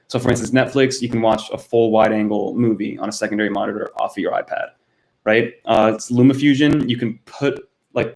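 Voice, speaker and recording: A young man from Miami, Florida, in the United States, hosts his first live stream from a cluttered room at home, chatting casually and answering viewers by name. His voice is fairly low, and the built-in camera mic gives poor audio.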